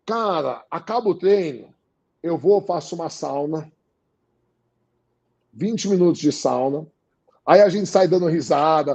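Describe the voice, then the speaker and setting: A man with a Brazilian Portuguese accent talks at a fairly high pitch in a dark, mellow tone. He is animated and emphatic, driving his points home by repeating phrases. The recording is a little dull and muffled. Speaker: guest. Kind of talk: casual interview talk.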